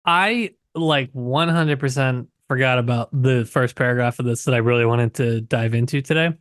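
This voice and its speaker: A man with a mid-pitched voice co-hosts a book discussion podcast. He speaks casually, qualifying his points and thinking aloud as he goes. The sound is dry, with very little room in it. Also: normal speed, fairly bright tone, no echo. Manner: informal, hedging, thinking aloud. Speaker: podcast co-host.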